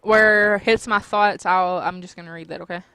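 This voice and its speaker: A woman's voice: lowish voice, steady tone, moderate pace, sharp tone, smooth, no room sound, poor audio. A giggly woman chatting and reading along casually, interjecting with playful protests. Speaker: story author co-reading and commenting. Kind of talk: casual chat and read-aloud with interjections.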